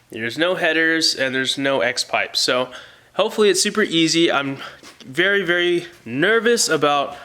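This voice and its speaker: A man's voice: a little high, pushed and bright. A man hosting a casual how-to vlog, explaining things in an informal, plain-spoken way. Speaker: host of a car DIY channel.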